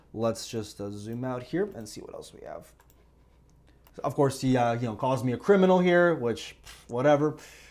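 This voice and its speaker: With a non-native accent, a man talks using lively intonation, long and frequent pauses, and big swings in loudness. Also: medium pitch for a man, moderate pace. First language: not English. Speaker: history channel host. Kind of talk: casual commentary on screen documents. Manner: conversational, many fillers.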